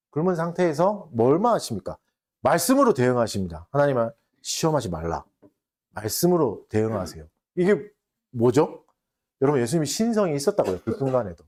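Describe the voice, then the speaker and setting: A man's voice: a little high, darkish tone. A male pastor preaching a sermon, asking the congregation rhetorical questions and acting out quoted taunts.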